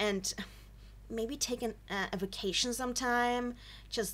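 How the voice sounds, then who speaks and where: A woman speaks in a fairly high voice with a non-native accent. Her intonation stays fairly even. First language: not English. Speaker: video reaction commentator. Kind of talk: reaction commentary. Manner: halting.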